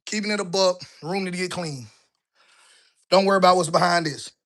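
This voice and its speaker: A man in his thirties vlogs as he walks indoors through his office floors, a little out of breath. His voice sits high and sounds bright and forward. He talks loosely and conversationally, tossing in rhetorical questions. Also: brisk. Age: 30s. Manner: conversational, asks rhetorical "right?" often; colloquial, relaxed grammar. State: a bit out of breath while walking. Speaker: business vlogger. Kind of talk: casual walking vlog.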